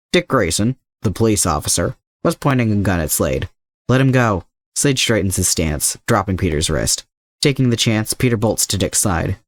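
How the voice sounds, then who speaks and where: A man narrates a scripted adventure story as a reader of fan fiction. His voice sits low in pitch, and the sound is very dry, with no room around it. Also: no room sound.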